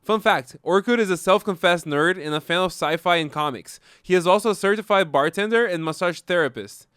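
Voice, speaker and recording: A man's voice: high voice, fairly quick, fairly bright tone, clear, resonant tone, dry recording, clean studio sound. A man with a Brazilian Portuguese accent hosting a podcast, asking enthusiastic, rambling questions full of likes and restarts. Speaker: podcast host. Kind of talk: podcast interview.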